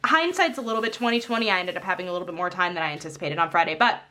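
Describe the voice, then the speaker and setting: A young woman vlogger chatting casually while crafting, rambling with many fillers and frequent laughs, her voice slightly hoarse. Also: fairly low pitch, very fast, sharp tone.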